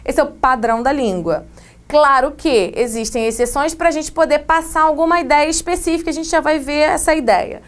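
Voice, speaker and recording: A woman with a bright, high voice and a Brazilian Portuguese accent teaches an English grammar lesson to camera. She explains in a lively, chatty way and drops in playful asides. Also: normal speed. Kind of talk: classroom video lesson.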